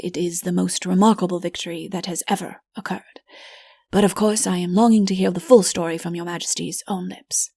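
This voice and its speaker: A young gentleman suitor from a fairy-tale audiobook, acted out by a woman. He is courtly and smooth-tongued, praising with great politeness. The recording is dry and close. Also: lowish voice, no echo. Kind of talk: audiobook character voice.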